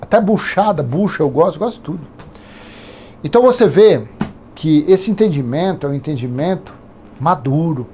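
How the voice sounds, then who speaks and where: A man's voice: on the high side, expressive, normal speed, warm tone, slight background noise. A Brazilian man in his fifties with a Brazilian accent, teaching an informal Bible study in a rambling, conversational way full of digressions. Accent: Brazilian Portuguese. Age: 50s.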